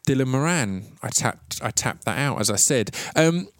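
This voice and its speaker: A man's voice: medium pitch, animated, normal speed. A man hosting a podcast, talking with a noticeable stutter that makes him repeat sounds at the start of words. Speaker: podcast host. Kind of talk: casual interview and reflective monologue.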